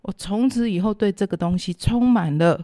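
A woman's voice: mid-range voice, normal speed, dark tone, no echo, clean studio sound. A woman with a Taiwanese Mandarin accent, chatting and telling stories casually as a podcast co-host, playful, emphatic and opinionated. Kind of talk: casual banter and storytelling.

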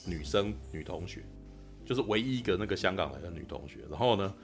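A man rattles along at a quick clip in casual podcast chat. His pitch swings widely as he spins his stories, and he keeps checking in with his listeners. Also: soft background music. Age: 40s. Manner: animated storyteller, keeps asking "you know?". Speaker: podcast co-host.

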